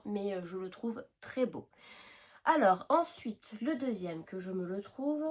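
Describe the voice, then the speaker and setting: A woman's voice: mid-range voice, a little mellow. A woman with a French accent, chatting casually to camera about her hobby, hesitant with many fillers and restarts, her nose tickled by pollen. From France. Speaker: cross-stitch vlogger.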